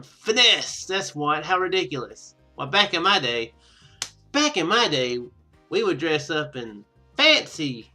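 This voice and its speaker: A man's voice: fairly high pitch, pushed and bright, heavily acted. A man voicing a pompous, indignant, old-fashioned parent from a visual novel game, with emphatic delivery.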